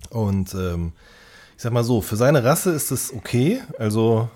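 A man's voice: medium pitch, animated, unhurried, darkish tone. A man with a German accent talking casually as a podcast co-host in an earnest, reflective way.

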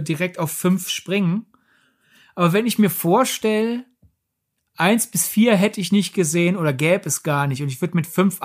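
A man co-hosting a podcast, talking casually about films in long, winding sentences. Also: high voice. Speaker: podcast co-host. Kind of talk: casual film discussion.

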